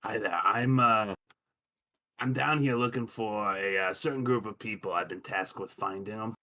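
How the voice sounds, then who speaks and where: A man's voice: lowish voice, normal speed, sharp tone. A man playing a brusque, condescending male safety inspector who blusters and talks down, with frequent ums. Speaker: player. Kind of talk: tabletop game role-play.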